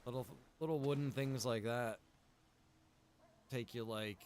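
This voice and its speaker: A man chatting casually on a game livestream, rambling and thinking out loud. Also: mid-range voice, steady tone, unhurried, slight background noise. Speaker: game streamer. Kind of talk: casual livestream chat while gaming.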